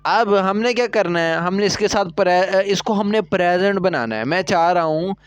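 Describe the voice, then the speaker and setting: A man's voice: high voice, normal speed, smooth, no echo, lo-fi sound. A man teaching a recorded Korean lesson, explaining step by step and often checking that students follow. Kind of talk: recorded language lecture.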